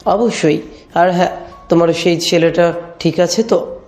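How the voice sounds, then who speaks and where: A man's voice: high-pitched, a little slow, darkish tone. A man playing an approving, protective senior police officer in a dramatized love story, speaking with authority. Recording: music under the voice.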